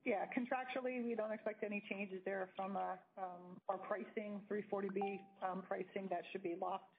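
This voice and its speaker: A woman's voice: mid-range voice, steady tone, moderate pace, a little hiss or hum. A woman speaking as a company executive, answering questions on a business conference call over the phone. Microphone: telephone conference call. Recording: tinny phone line.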